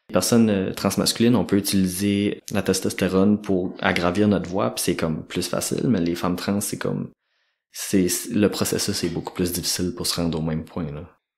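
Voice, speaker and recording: Here a man speaks at a moderate pace in a very deep, low voice with ordinary pitch variation. The recording is very clean, with a silent background. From New Brunswick, Canada. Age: 20s. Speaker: social work student. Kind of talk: casual chat.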